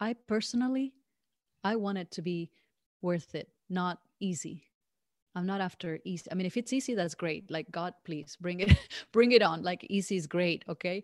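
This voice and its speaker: This woman, with a Spanish accent, speaks at a moderate pace and a medium pitch, with ordinary pitch variation and long, frequent pauses. The sound is dry and close, with no echo. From Argentina. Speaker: energy healer and translator. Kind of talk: interview. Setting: video call.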